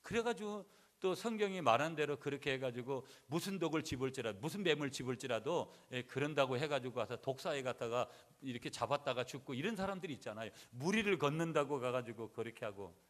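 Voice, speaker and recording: A middle-aged man from South Korea preaching a sermon as pastor, blunt and emphatic, with rhetorical questions and sudden loud bursts. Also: medium pitch, lively intonation, fast. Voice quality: blunt, rough-edged seaside manner of speech.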